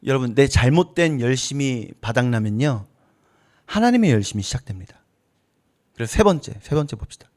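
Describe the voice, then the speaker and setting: High, lively preaching man. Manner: preaching, acts out dialogues with God in shifting voices. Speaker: pastor. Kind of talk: sermon. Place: church.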